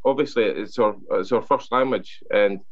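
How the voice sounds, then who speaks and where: A man's voice: lowish voice, normal speed. A young Scottish man, a writer guest, chatting casually in a radio interview, full of fillers and restarts. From Scotland. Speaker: author guest. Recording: dull lo-fi sound.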